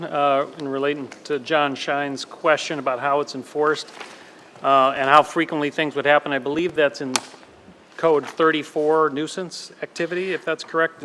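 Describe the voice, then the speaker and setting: A man's voice: fairly high pitch, pushed and bright. A man on a board asking formal questions at a meeting. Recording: reverberant room, faint background noise.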